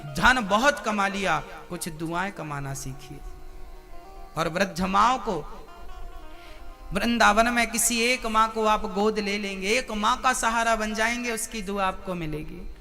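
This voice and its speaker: Male kathavachak preaching, super high bright voice, asks the crowd questions, bit of music behind. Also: a little slow, creaky. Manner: storytelling with questions to listeners. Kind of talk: devotional sermon to a crowd.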